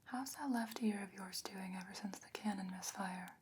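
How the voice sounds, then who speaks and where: A woman playing a calm, thoughtful fantasy sorceress in an ASMR roleplay, speaking in a breathy, measured whisper with deliberate pauses. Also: medium pitch, noisy background, lightly acted. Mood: concerned, probing.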